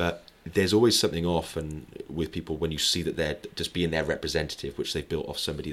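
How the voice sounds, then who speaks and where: A man talks at a fairly quick pace in a very deep, low voice. The recording is very clean, with a silent background. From Wales. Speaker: entrepreneur and speaker. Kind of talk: casual interview.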